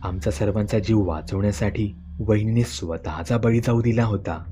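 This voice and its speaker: A man's voice: lowish voice, fairly even intonation, moderate pace, mellow, a little hiss or hum. A man narrating a scripted horror story in a grave, dramatic manner.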